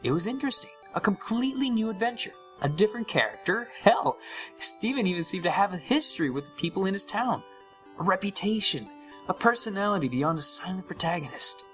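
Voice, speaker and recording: A man giving an expressive, scripted first-person narration of a horror story. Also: high voice, fairly quick, soft background music.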